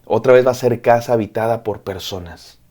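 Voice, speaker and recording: A man's voice: mid-range voice, a little fast, dark tone. A man, a pastor, preaching a devotional sermon, repeating phrases in rhythmic lists and speaking straight to the listener.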